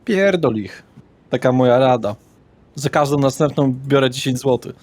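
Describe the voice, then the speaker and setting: A man's voice: mid-range voice, lively intonation, normal speed, darkish tone. Blunt, sweary man in tabletop roleplay. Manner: blunt, slangy, swears often. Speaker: game master. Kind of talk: tabletop roleplay, informal in-character dialogue.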